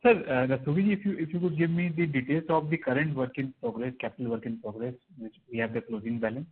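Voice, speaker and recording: Raspy Indian man calling in by phone. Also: mid-range voice, fast. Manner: deferential, often saying sir. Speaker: caller, investor or analyst. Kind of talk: questions on an earnings call. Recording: tinny narrowband phone line.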